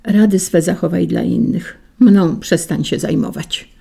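A woman voicing a calm, dignified female lily in a storybook tale, speaking gravely and firmly. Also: fairly low pitch, a little slow, heavily acted. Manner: grave and firm.

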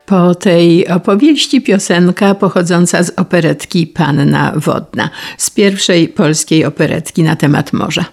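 Woman presenter, radio, announcing a song, calm, gravelly. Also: fairly low pitch, unhurried, few pauses, faint music behind.

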